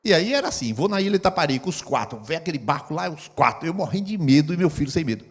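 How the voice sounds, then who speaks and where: A man's voice: fairly high pitch, big pitch swings, fast talker, breathy edge. A middle-aged man preaching a sermon as pastor, acting out scenes with sound effects. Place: church hall. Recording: long hall reverb.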